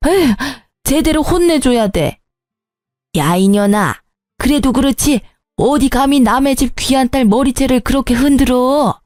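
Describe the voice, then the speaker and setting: A woman's voice: sits high, darkish tone, no echo, studio quality. A woman voicing a fierce, blunt older mother-in-law who scolds harshly.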